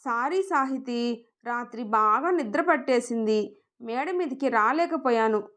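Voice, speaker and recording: A woman's voice: fairly high pitch, expressive, a little slow, fairly bright tone. A woman voicing a playful young husband in a story, speaking in a coaxing, affectionate way. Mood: sheepish.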